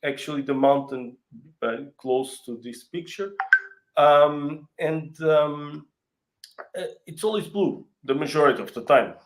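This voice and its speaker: A man's voice: a little high, poor audio. A man with a Portuguese accent, a native Portuguese speaker, chatting on a video call and stopping often to search for his words. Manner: halting, searching for words, frequent fillers and restarts. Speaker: real estate company country head. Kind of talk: casual interview chat.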